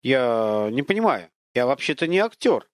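A man's voice: mid-range voice, very animated, normal speed, no room sound, studio quality, natural voice. A man voicing a lost, nervous young man who answers hesitantly and stammers. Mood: bewildered.

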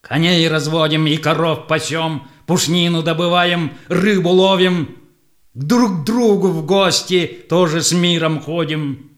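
Proud, defiant male tribal leader for verse radio play, played by an actor: very unhurried, weighty, declamatory. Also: a little high, fairly even intonation, natural voice. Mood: wary, proud. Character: proud, defiant Yakut tribal leader, embittered father of five. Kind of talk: theatrical verse drama acting.

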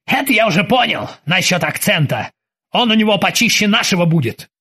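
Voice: medium pitch, big pitch swings, fairly quick, bright, forceful tone, slightly rough, voice pushed up, exaggerated voice. A narrator voicing a blustering ship captain who interrogates in broken mock-German, bossy and barking. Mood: bossy interrogating. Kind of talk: audiobook character voice.

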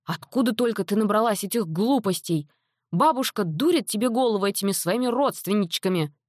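A woman voicing a frantic, scolding middle-aged mother in an audiobook, her delivery shrill and exasperated. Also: expressive, a little fast, dry recording, clean studio sound, close to an everyday voice. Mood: indignant. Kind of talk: audiobook character voice.

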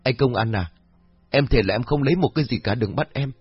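A man's voice: medium pitch, fairly quick, breathy edge, no echo, muffled recording, soft background music, lightly acted. A man voicing a frightened young village man who begs and swears oaths, in a storybook reading. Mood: pleading. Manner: wailing, begging, swearing oaths.

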